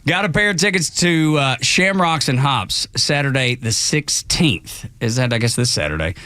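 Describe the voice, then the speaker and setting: A man from Georgia co-hosting morning radio, quick to laugh and upbeat in his reactions. His voice sits at an ordinary pitch, and the studio sound is close and dry. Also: animated, sharp tone, dry recording. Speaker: radio co-host. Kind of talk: casual morning radio banter. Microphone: studio microphone.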